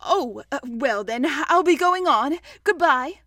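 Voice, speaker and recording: A woman voicing a greedy, slow-witted, plaintive male teddy bear who hesitates and gets flustered in a storybook reading. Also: sits high, expressive, pushed and bright, dry recording, studio quality, full character voice. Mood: wistful. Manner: hesitant, humming, easily flustered.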